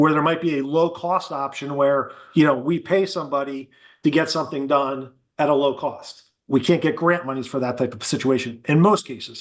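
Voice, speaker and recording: Against a quiet background, a man with a fairly high pitch and ordinary pitch variation talks at a fairly quick pace. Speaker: engineering consultant presenting to township board. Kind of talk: public meeting presentation. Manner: fast.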